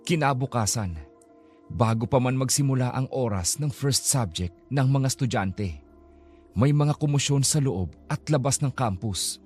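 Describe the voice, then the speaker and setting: A man narrating a horror tale in a slow, suspenseful storytelling manner. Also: mid-range voice, darkish tone, faint music behind.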